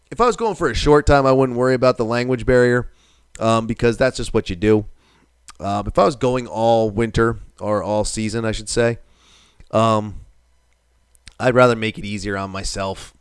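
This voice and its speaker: A man's voice: on the low side, dry recording. A man in his thirties from New England, hosting a live stream in casual, rambling chat, swearing now and then and reading viewer comments aloud.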